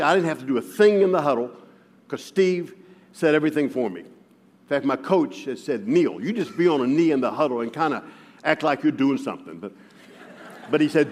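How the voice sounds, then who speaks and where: A guest preacher with a slightly high voice for a man delivers a sermon full of personal stories, stuttering and repeating words as he goes. Self-deprecating humor keeps surfacing, and he chuckles while talking. The long reverb of a large church sanctuary surrounds his voice.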